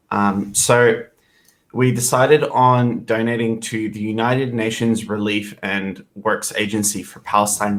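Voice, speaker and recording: A man appearing as a guest, speaking plainly and earnestly in casual chat. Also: fairly low pitch.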